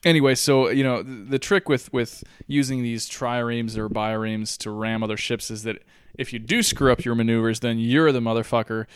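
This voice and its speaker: A man with a smooth baritone co-hosting a podcast, chatting casually about history in an informal, sweary, self-deprecating way. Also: fairly even intonation, normal speed, few pauses, no room sound, clean studio sound. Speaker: podcast co-host. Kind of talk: casual chat, joking history discussion.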